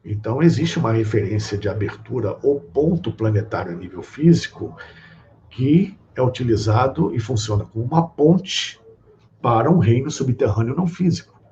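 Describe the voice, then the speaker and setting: A man with a Brazilian Portuguese accent, speaking as a guest on a live stream and lecturing, often checking in with a quick "tá?". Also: mid-range voice, expressive, warm tone, highs cut off, slight background noise. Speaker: guest speaker on esoteric topics.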